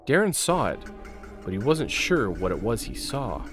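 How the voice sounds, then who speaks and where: A man's voice: medium pitch, very animated, normal speed, music in the background. A man narrating a scripted audio drama with intense, suspenseful delivery, broken phrase by phrase.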